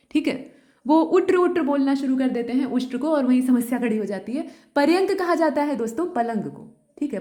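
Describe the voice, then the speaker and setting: A woman with a high, light voice works through exam questions as a teacher. She explains steadily and often stops to confirm that each point is clear. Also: a little mellow. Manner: explanatory, repeats points with frequent checks. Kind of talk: exam answer key explanation.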